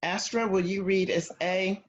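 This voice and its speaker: A woman's voice: medium pitch, fairly even intonation, a little slow. A woman teaching an English conversation class over a video call, patient and encouraging. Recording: dull lo-fi video call audio.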